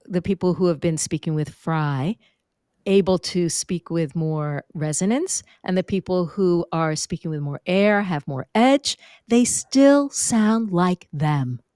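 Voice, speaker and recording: A woman from New York, a speaking and vocal coach, chatting as a guest on a podcast with an expressive, lively teaching manner. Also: on the low side, unhurried, dry recording, studio quality. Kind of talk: conversational podcast interview.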